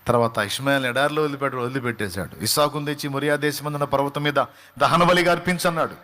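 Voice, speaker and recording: A man's voice: mid-range voice, fast, bright, forceful tone. A male pastor preaching a sermon, fervent, with his voice rising to emphatic peaks and quotes delivered dramatically.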